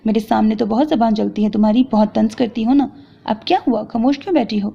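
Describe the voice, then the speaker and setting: A woman's voice: fairly high pitch, vocal fry. A woman reading the lines of an angry young man who harshly accuses and lectures his wife, in a romance audio novel. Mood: angry, accusing. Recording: dull lo-fi recording.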